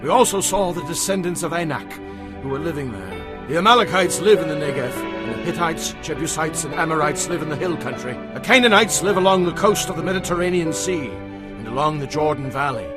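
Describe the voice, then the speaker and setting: An actor playing an earnest Israelite scout, speaking in a declamatory way in a dramatized audio Bible. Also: male voice, fairly high pitch, lively intonation, fairly quick, over music, lightly acted. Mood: earnest, wary. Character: earnest Israelite scout reporting to his people.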